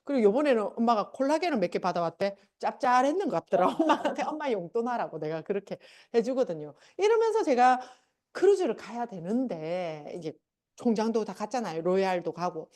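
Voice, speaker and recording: A woman's voice: mid-range voice, big pitch swings, fairly quick, a little mellow. A middle-aged woman, giving a motivational sales seminar talk and telling stories animatedly, acting out her family members. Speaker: seminar speaker.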